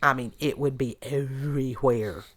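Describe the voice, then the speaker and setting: A woman's voice: extremely low pitch, moderate pace. A middle-aged woman with a congested, stuffy voice, chatting casually as a podcast host and telling wry stories. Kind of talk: casual chat.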